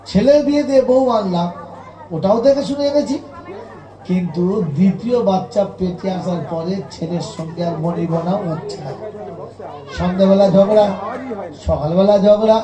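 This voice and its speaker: High-voiced, echoey male preacher. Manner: dramatic storytelling, acting out family dialogue; rhetorical questions to the audience. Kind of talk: Islamic sermon with storytelling.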